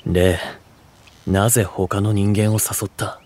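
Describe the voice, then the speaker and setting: A man's voice: fairly low pitch, little pitch movement, takes it slowly, darkish tone. A man playing a stern, distrustful young older brother in a voice drama, curt, haughty and formal, protective and aloof. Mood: hostile, suspicious. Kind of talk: Japanese voice drama acting.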